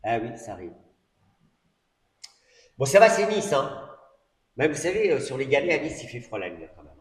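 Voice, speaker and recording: A man's voice: medium pitch, big pitch swings, normal speed. A middle-aged man giving a sermon as a personal testimony, telling his story conversationally with asides and fillers. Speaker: preacher. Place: church hall. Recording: echoey church hall recording.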